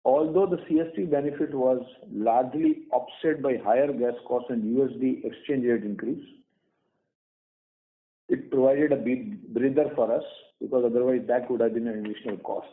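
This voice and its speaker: A man with an Indian accent giving a prepared company earnings presentation as an executive, formally and in short, measured phrases. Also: mid-range voice. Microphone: phone or conference call line. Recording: tinny phone-line conference call audio.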